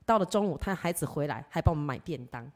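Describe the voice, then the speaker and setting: Woman, low pitch, earnest testimony, acts out dialogue. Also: animated, quick pace. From Taiwan. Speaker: church member giving testimony. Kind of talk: personal testimony.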